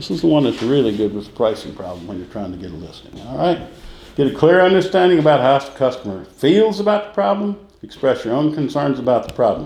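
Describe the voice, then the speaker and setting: A man at a very fast pace, fairly high in pitch, with very wide pitch swings, big swings in loudness and audible room echo. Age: 80s+. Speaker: real estate sales trainer. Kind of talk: training class lecture. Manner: conversational, repetitive.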